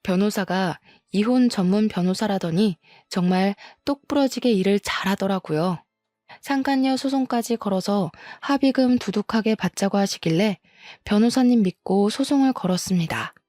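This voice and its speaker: Warm-voiced woman telling a dramatic story. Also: mid-range voice, moderate pace, no echo, clean studio sound, faint music behind. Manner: emphatic, indignant storytelling. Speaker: narrator. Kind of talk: dramatic first-person story narration.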